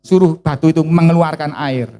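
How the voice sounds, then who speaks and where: A preacher, giving a lively storytelling sermon. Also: mid-range voice, a little fast. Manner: animated storytelling with mixed local words.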